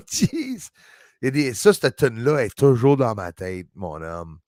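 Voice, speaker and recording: A man's voice: medium pitch, huge pitch swings, measured pace, a little mellow, dry recording, studio quality. A man chatting casually as a livestream host, enthusiastic and rambling, addressing his viewers like buddies. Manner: enthusiastic, rambling, chummy with listeners.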